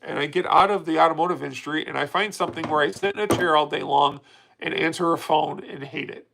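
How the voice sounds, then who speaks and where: Gravelly-voiced man in his thirties. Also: fairly high pitch, fast talker, background noise. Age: 30s. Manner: rambling, candid, frequent restarts. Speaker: livestream host. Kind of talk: casual livestream chat reading comments.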